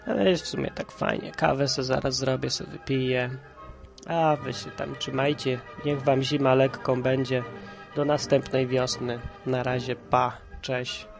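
A man from Kraków with a head cold, reading a children's story aloud in a lively, playful way. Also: medium pitch, a little slow, gravelly, over music. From Kraków, Poland. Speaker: storyteller and podcast host.

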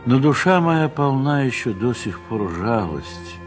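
A man narrating a radio play, reading literary prose in a measured, wistful way with soft, trailing phrase ends. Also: mid-range voice, sing-song, faint music behind.

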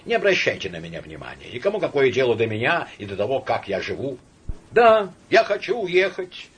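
A man voicing a young male official who is hysterical and indignant, in shrill shouting outbursts. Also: big pitch swings, moderate pace, creaky, slightly rough, heavily acted.

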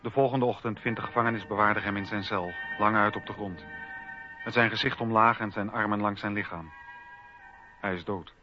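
A man narrating a scripted radio documentary in a measured, formal storytelling manner on a lo-fi recording. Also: lowish voice, fairly even intonation, soft background music.

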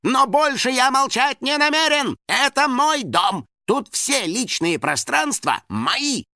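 A squealing, high-pitched little house spirit, put on by a man reading a storybook, forever indignant and shouting his complaints. The voice leaps about wildly and sits dry and close. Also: huge pitch swings, measured pace, no room sound, full character voice. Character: excitable male house spirit, cheeky and indignant. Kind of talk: audiobook character voice.

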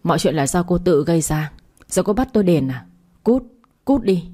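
A woman's voice: lowish voice, sing-song, moderate pace, mellow. A woman reading a story aloud, voicing a young husband who apologizes to his wife and snaps at his mistress. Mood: angry. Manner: apologetic, curt when angry. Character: remorseful then angry young husband.

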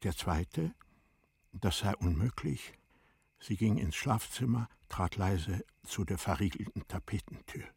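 A man reading literary narration for a radio drama in a measured, deliberate way. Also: lowish voice, expressive, vocal fry, darkish tone, breathy edge, no room sound.

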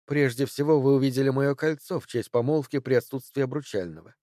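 Brief: poised, clever young woman, calm and measured, low mellow voice, dry sound, read by a male narrator. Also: dry recording, natural voice. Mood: composed. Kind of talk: audiobook character voice.

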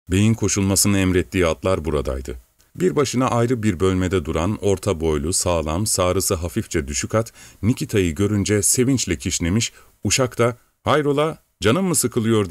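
A man reading an audiobook in a measured storytelling manner. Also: low-pitched, no echo. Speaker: audiobook narrator. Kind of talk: scripted audiobook narration.

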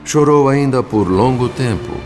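A man with a Brazilian accent giving solemn, measured, literary narration for a radio drama. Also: medium pitch. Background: music.

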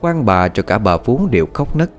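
Low expressive male storyteller. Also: fairly quick. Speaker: narrator. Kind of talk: dramatic storytelling narration. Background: faint background music.

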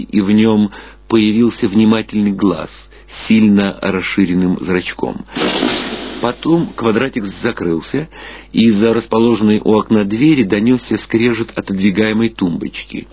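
A man reading literary fiction aloud as a narrator, with measured, expressive dramatic storytelling. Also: lowish voice. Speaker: audiobook narrator. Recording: muffled radio-style sound, music behind. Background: clear background music.

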